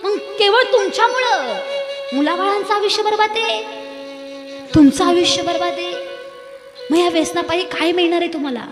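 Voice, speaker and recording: High-voiced woman preaching with passion. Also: moderate pace, pauses often, over music. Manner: impassioned, pleading rhetorical questions to the audience. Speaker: kirtan preacher. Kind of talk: devotional storytelling sermon.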